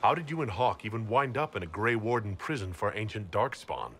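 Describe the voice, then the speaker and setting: Low, expressive, resolute inquisition leader. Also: male voice, normal speed, a little hiss or hum. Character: steady, resolute male leader of a fantasy inquisition. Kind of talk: video game dialogue acting.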